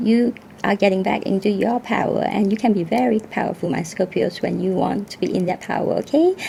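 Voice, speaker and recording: Background noise is clearly audible as a woman talks at a medium speed. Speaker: tarot reader. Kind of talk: tarot reading. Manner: many fillers and hesitations.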